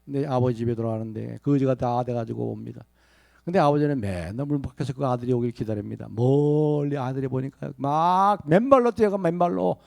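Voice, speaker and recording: Animated Korean pastor preaching a sermon. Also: male voice, medium pitch, brisk, creaky, no room sound. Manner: animated preaching, repeats key phrases, asks the congregation questions; leads congregational Bible reading. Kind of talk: Sunday sermon. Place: church sanctuary.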